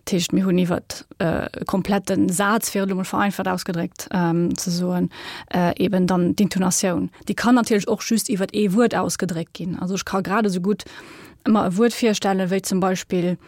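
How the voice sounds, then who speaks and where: A young woman with a Luxembourgish accent, a linguist guest explaining her research in a radio studio, measured and full of fillers. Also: lowish voice, steady tone, a little mellow, no echo.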